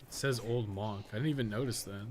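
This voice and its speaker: A man's voice: lowish voice, a little fast, noisy background. A man doing casual, sweary live gameplay commentary, often muttering to himself as he plays. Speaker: game streamer, podcast host.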